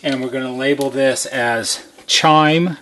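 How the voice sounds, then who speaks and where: A man's voice: medium pitch, fairly even intonation, takes it slowly, fairly bright tone, slight background noise. A man giving a hands-on how-to demonstration as a repair technician, methodical and step-by-step, stressing key points.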